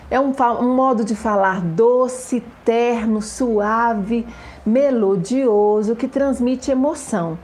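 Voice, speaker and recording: A woman, a children's author and educator giving an explanatory talk to camera. She asks the viewer rhetorical questions and slows down to stress the words in a list. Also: on the high side, darkish tone.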